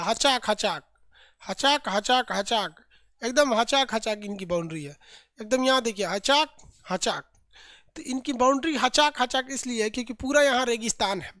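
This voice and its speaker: A man teaching an online geography class, lively and colloquial, drilling names by repetition. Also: very high voice, dry recording, studio quality.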